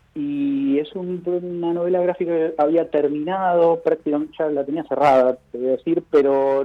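A man's fairly high-pitched, ordinary speaking voice with fairly even intonation. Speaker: comic book author. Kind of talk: interview.

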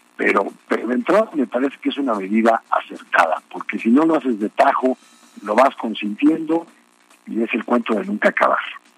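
A man with a medium-pitched voice talks at a fairly quick pace, the sound dry and close with no echo but with noticeable background noise. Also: lively intonation. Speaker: political strategist. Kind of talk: radio interview.

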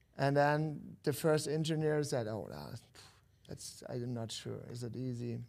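A man with a German accent speaks fairly slowly at a medium pitch, leaving long, frequent pauses. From Germany. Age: 40s. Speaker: founder of a grill company, former professional athlete. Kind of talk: casual interview. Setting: trade show, in person.

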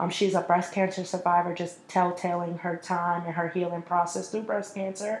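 Audible room echo around a woman speaking at a medium pitch. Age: 20s. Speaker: podcast host. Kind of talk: casual solo talk.

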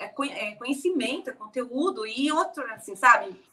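With noticeable background noise, a woman speaks using lively intonation. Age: 40s. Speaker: church history teacher. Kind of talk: casual chat.

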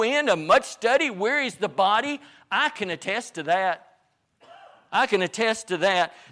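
A Southern US accent at a fairly slow pace, in a very clean recording with a silent background. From Northeast Arkansas. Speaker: preacher. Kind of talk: sermon.

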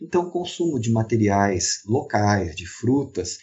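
Somewhat breathy and medium in pitch, a man speaks fairly slowly with lively intonation. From Brazil, São Paulo. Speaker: author, civil servant. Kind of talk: interview.

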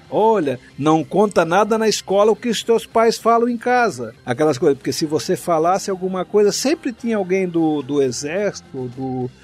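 Over music in the background, a man with a high pitch swings very widely in tone and hardly pauses at all. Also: moderate pace. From Blumenau, Santa Catarina, Brazil. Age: 60s. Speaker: podcast guest, host's father. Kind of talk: casual chat.

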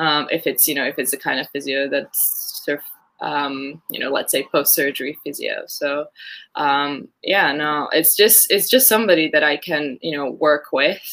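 This woman speaks with a Slovak accent. Her pace is moderate. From Slovakia. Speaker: vet. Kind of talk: casual chat. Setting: live stream on social media.

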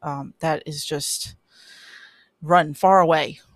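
In a very clean recording with a silent background and a dry, close sound with no echo, a woman speaks with a fairly low pitch and ordinary pitch variation. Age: 30s. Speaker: mental health podcast host. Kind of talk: solo podcast monologue. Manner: casual, hesitant with many fillers.

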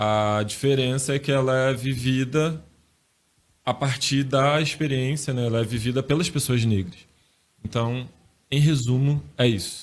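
At a fairly slow pace, a man with a Rio de Janeiro accent talks at medium pitch with fairly even intonation, very even loudness, and long, frequent pauses. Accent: Rio de Janeiro Portuguese (carioca). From Brazil, Nilópolis, Baixada Fluminense, Rio de Janeiro. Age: 30s. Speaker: pastor and researcher. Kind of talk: podcast interview. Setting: studio, streamed live.

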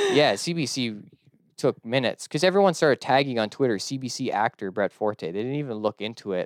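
A man with a Canadian accent and an unremarkable speaking voice, medium pitch, lively intonation and a fairly quick pace, in a dry, close sound with no echo. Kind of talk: casual chat. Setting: studio.

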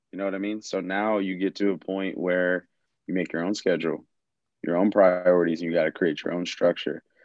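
This man talks at a fairly quick pace with a very deep, low pitch and an American accent. His intonation is monotone and flat. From Northern California (Sacramento). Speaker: former pro football player turned real estate investor. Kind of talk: casual interview.

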